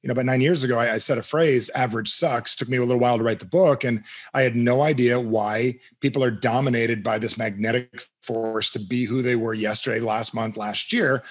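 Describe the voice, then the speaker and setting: Middle-aged man from New Jersey, husky voice, confident sales-style pitch, podcast guest. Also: steady tone. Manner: confident, punchy salesman delivery with quick repeats. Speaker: interview guest, coach and author. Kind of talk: energetic self-introduction in an interview.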